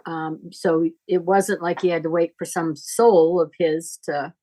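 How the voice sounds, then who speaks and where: Middle-aged woman, lowish voice, very unhurried and deliberate, informal spiritual teacher. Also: steady tone, dark tone, poor audio. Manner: halting, deliberate, reflective explaining. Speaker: astrology teacher.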